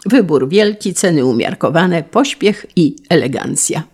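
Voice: medium pitch, lively intonation, measured pace, a little mellow, husky. A narrator voicing a jovial middle-aged carriage manufacturer who asks hearty, teasing questions in an audiobook. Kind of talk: audiobook character reading.

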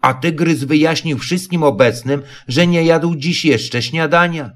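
A man narrating a children's storybook in a calm, measured way. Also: fairly high pitch. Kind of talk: storybook reading.

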